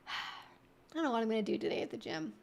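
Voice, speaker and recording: A woman hosting a casual question-and-answer livestream, talking in an animated, emphatic way with conversational asides. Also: on the high side, moderate pace, vocal fry. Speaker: livestream host.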